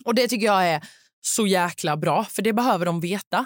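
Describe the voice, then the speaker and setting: A woman's voice: medium pitch, no echo, clean studio sound. A woman from Småland with a Småland accent, co-hosting a casual podcast chat and laughing often. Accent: Småland Swedish. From Småland, Sweden. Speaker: podcast co-host. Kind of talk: casual chat about a reality show.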